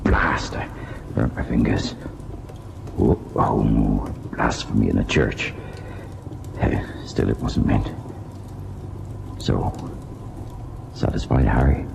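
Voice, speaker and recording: A man's voice: extremely low pitch, slow pace, vocal fry, pauses often, full character voice. An actor playing a bluff, skeptical village doctor who teases his friend in colloquial old-time radio drama style. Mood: startled, then sheepish. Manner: bluff, colloquial, peppered with "eh" and "aye". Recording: muffled, noisy old radio recording.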